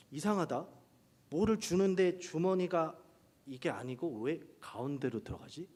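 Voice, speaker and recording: A man preaching a sermon to his congregation, telling personal stories with humor and lively animation. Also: on the high side. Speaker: pastor. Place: church sanctuary during a worship service. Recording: long reverb of a large hall.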